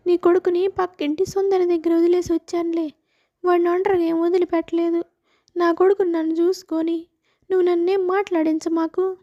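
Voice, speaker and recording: A woman's voice: very high voice, little pitch movement, fairly quick, muffled recording. A woman voicing an anxious, bossy mother-in-law who scolds and complains. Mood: complaining.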